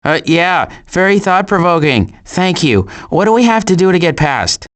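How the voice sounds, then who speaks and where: In a high-pitched voice at normal speed, a man performs a sardonic animal adventurer for an animated video game, glib and dry with deadpan side comments.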